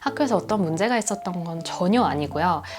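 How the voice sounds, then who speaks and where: Music plays behind a woman at medium pitch. Her pitch swings very widely. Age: 20s. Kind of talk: casual talk to camera. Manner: soft-spoken.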